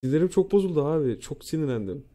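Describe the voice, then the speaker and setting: A young man casually telling a school story, animated and profane, acting out what people said. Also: a little high, very fast. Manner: animated, profane, acts out quotes. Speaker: streamer.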